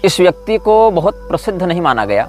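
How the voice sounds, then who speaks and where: Guy giving a religious discourse, formal and emphatic, bit of a higher voice, soft music under it. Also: sing-song, a little fast. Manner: formal, explanatory, rising emphatic stresses. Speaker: spiritual teacher.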